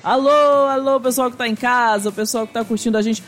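A woman co-hosting a live radio show, chatting casually and sending shout-outs to listeners. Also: a little high, fairly even intonation, quick pace, faint music behind. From Minas Gerais, Brazil.

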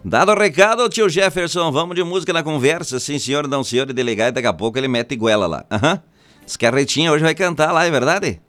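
A man's voice: on the high side, animated, quick pace, a bit bright, faint music behind. A man with a Rio Grande do Sul accent hosting a morning radio show, folksy and joking. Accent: Rio Grande do Sul Portuguese. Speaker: radio host.

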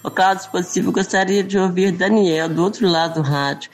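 Low-ish Brazilian female caller, polite, faint music behind. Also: fairly quick. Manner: polite, warm greetings.

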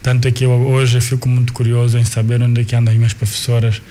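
A man in his forties with an Angolan Portuguese accent whose first language is Kikongo. He is a guest recalling his life in an unhurried, searching way, often restarting and repeating words. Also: mid-range voice, monotone, mellow, a little hiss or hum. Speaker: guest, artist and cultural manager. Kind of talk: reflective life-story telling.

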